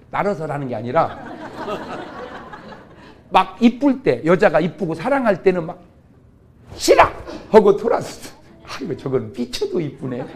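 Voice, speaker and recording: A middle-aged man preaching a humorous revival sermon, acting out quarrels between couples in sudden loud outbursts. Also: high voice. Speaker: pastor.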